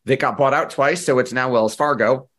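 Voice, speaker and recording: A middle-aged man leads a workshop for an audience, speaking at a mid-range pitch. He talks in a lively, conversational way. He tells stories from his own life and acts out the dialogue as he goes. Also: moderate pace. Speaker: marketing coach. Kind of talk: workshop presentation with personal storytelling.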